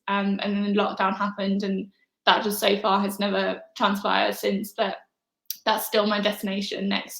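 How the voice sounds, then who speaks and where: A woman answering interview questions in a relaxed, casual way, soft-spoken with frequent pauses and fillers. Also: mid-range voice, creaky. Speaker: interview guest. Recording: echoey room.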